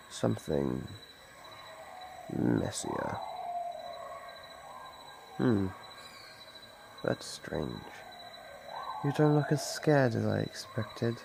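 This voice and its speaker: A man playing an ancient, predatory monster in an ASMR roleplay, taunting and possessive in a gravelly, theatrical voice. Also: low voice, noisy background, heavily acted. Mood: gloating menace. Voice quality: gravelly, creaky. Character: ancient predatory male monster, menacing, gloating, possessive hunter. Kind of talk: ASMR roleplay, dramatic monologue.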